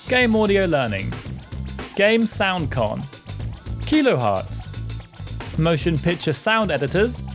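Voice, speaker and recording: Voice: medium pitch, sing-song, slow, long pauses. An announcer reading a scripted channel intro and a list of sponsors. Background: music.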